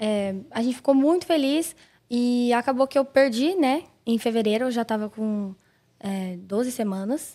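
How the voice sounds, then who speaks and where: Talking at a fairly slow pace, a woman with a high pitch uses ordinary pitch variation over a quiet background. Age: 20s. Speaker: real estate agent and social media influencer; podcast guest. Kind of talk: casual interview, personal testimony. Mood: sad, emotional recollection of loss. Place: studio. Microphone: studio mic.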